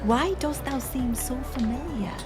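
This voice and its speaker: A woman performs a playful, inquisitive village woman in a period audio roleplay. Her voice sits fairly high and lingers slowly over formal, old-fashioned phrases with a teasing edge. Music plays clearly behind her. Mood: puzzled, searching. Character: curious, playful, wry village woman at a masked festival. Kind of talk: intimate archaic-speech audio roleplay.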